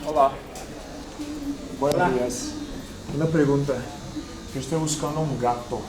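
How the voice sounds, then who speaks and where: A travel vlog host from Brazil strolls the city streets, speaking casually in his Brazilian-accented voice as a native Portuguese speaker. His medium pitch stays steady and his pace is unhurried. A crowded, noisy street surrounds him.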